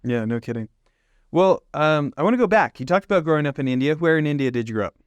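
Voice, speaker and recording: A male interview host talks quickly and casually in an upbeat tone. His voice is smooth and crisp, and he sounds a little farther from the mic, though the sound stays dry. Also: a little high, animated, no room sound. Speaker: podcast host. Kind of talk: interviewer questions and reactions.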